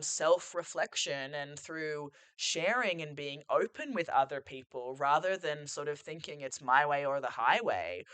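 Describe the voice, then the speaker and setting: Man talking to himself on a podcast, crisp bright tone, slightly high voice, dry close sound, rambling and musing. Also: dry recording. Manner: rambling, musing, full of "like" and "sort of". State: losing his voice. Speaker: podcast host. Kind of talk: reflective solo monologue. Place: sitting on a couch at home.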